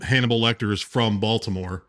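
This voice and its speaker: A man's voice: fairly low pitch, steady tone, a little fast, fairly bright tone. Chatty laughing podcast host man. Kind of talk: casual podcast chat.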